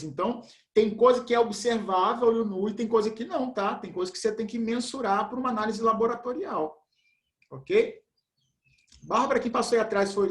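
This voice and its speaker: A man teaching a biology class in a casual, slangy way. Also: high-pitched. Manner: casual, slangy, says "velho" and "pessoal". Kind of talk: remote class, chatty explanation. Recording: echoey room.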